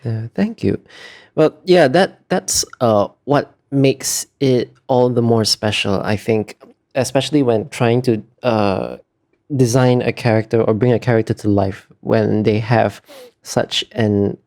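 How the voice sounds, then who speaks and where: A man's voice: mid-range voice, a little slow, vocal fry, a little mellow. A man giving earnest, hesitant interview answers as an illustrator, often searching for his words.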